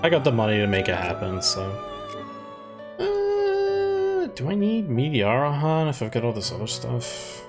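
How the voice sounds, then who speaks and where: A man's voice: a little high, wildly swooping pitch, measured pace. A man doing casual let's-play commentary, joking and thinking aloud in a rambling way. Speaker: gaming video host. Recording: game music behind the voice. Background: video game music.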